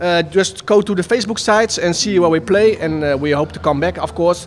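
Talking at a very fast pace, a man with a Dutch accent has a high pitch for a man and ordinary pitch variation, over light background noise. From Netherlands. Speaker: death metal musician. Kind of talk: casual interview. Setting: at a metal festival. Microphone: handheld.

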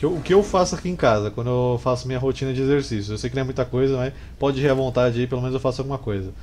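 Over light background noise, a man talks very fast with hardly any pauses. His pitch varies in an ordinary way. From Brazil. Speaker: gaming streamer. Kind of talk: live gameplay commentary. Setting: home studio with headset microphone. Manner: animated. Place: home room.

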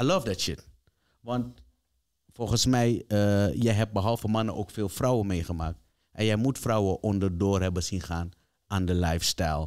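A man at a fairly low pitch and moderate pace, ordinary pitch variation, quiet background. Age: 40s. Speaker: podcast host. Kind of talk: casual chat. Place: studio. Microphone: studio mic.

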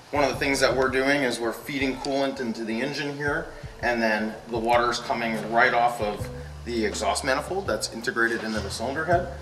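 Clear music plays in the background. Over it, a man talks at a fairly quick pace with ordinary pitch variation. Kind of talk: technical walkaround explanation. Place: hall.

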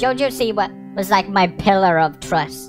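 A cartoonish character voice that sounds female, talking at a moderate pace. Clear music plays in the background. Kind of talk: comic overacting.

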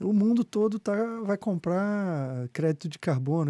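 Heard against a quiet background, a man speaks with a dark, mellow tone. His pitch swings very widely, and the sound is dry with no echo. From Blumenau, Santa Catarina, Brazil; Santa Catarina, Brazil. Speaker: politician. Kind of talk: interview. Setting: radio studio. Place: studio. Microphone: studio mic.

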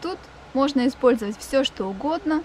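A woman's voice shows ordinary pitch variation, with light background noise behind it. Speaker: presenter. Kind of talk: tutorial. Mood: calm, friendly. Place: garden.

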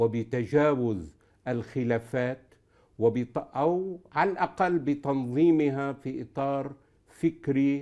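A man speaks very slowly in a fairly high pitch with a dark, mellow tone and ordinary pitch variation against a quiet background. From Lebanon, Mount Lebanon village; Lebanon. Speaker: retired diplomat; interview guest. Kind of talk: interview. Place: studio. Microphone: lapel.

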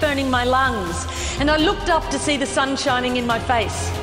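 A woman talks fairly quickly in an Australian accent. Clear music plays in the background. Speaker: keynote speaker. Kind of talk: inspirational keynote talk. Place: stage. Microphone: headset.

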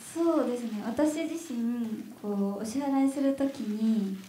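With audible room echo and light background noise, a woman speaks fairly slowly in a high pitch with ordinary variation. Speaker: actress. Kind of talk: press conference answers. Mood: shy, soft, smiling. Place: hall. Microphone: handheld.

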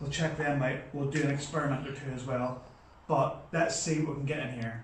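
A man at a moderate pace with fairly even intonation, light background noise and audible room echo. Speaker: paranormal explorer host. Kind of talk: casual vlog chat. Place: empty room. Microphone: camera far.

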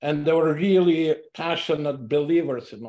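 A man with a Russian accent talks at a fairly slow pace in a fairly high voice with ordinary pitch variation, against a quiet background. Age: 70s. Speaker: artist; guest. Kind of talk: panel discussion. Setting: video call. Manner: opinionated, provocative. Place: home room. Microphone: video call.

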